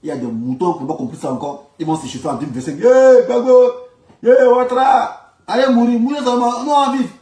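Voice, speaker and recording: A man's voice: very high-pitched, animated, a little fast, mellow. A man with an Ivorian accent giving informal political commentary, colloquial and repeating phrases for emphasis. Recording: echoey room, distant from microphone.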